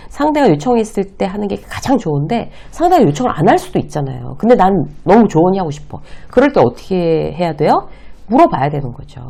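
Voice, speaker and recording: A woman's voice: medium pitch, very animated, quick pace, gravelly, warm tone. A middle-aged woman giving a lecture on workplace communication, explaining point by point and acting out short example lines. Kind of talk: lecture to camera.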